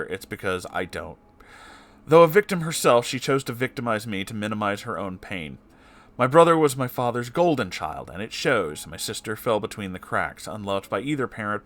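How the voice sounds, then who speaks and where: A man's voice: on the low side, a bit bright. A man, the host, reading a personal post aloud and breaking off into heated, profane asides with heavy sighs. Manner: swears a lot in angry, sighing asides between passages.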